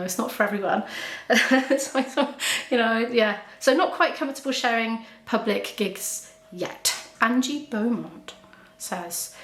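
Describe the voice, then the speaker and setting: A woman's voice: mid-range voice, echoey room. A woman, chatting candidly to camera as she answers viewer questions, laughing often and restarting sentences. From Wales. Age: 40s. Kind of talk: casual chat.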